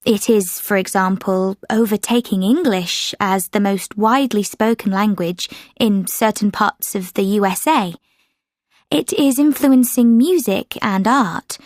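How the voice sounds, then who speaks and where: Woman, native French speaker, steady delivery with frequent fillers, dry studio. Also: medium pitch, measured pace, dry recording. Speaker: sample answer speaker. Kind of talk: scripted exam answer recording.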